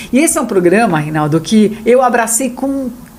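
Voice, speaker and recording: A woman speaks at a moderate pace with very wide pitch swings, and background noise is noticeable. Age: 60s. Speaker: executive and speaker on women's leadership. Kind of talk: casual interview.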